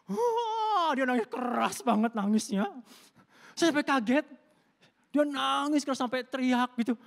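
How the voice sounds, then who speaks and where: A middle-aged male pastor giving a Sunday sermon in a conversational, storytelling way, calling listeners "brothers and sisters" and dropping in English words. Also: sits high. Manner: conversational preaching, addresses listeners as "saudara", tells personal stories. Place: church service.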